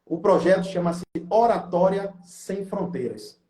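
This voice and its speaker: Brazilian male guest instructor, soft dark timbre, explanatory delivery, very roomy sound. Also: sits high, lively intonation, unhurried. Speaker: guest public-speaking instructor. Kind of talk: explanatory live-stream talk. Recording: echoey room sound.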